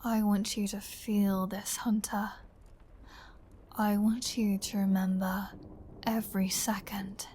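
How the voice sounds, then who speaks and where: Slow, teasing vampire woman played by an actress. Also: mid-range voice, a little mellow, slight background noise, lightly acted. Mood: menacing, seductive. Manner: teasing, sardonic, drawling, drops into breathy whispers. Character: flirty, playful, menacing female vampire taunting a hunter. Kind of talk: ASMR audio roleplay, intimate scripted acting.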